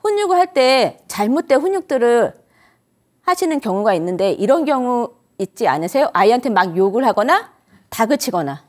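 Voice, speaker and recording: A middle-aged woman lectures grandparents on raising children. She poses questions to the room and answers them herself. Her fairly high voice rises and falls a great deal. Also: big pitch swings, normal speed. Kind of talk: instructive lecture to an audience.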